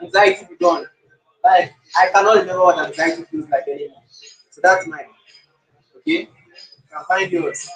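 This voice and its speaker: A man's voice: high-pitched, sing-song, moderate pace, vocal fry, pauses often, a bit bright. A man coaching a live public speaking workshop, repeating phrases and hyping up his audience. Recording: echoey room with faint music.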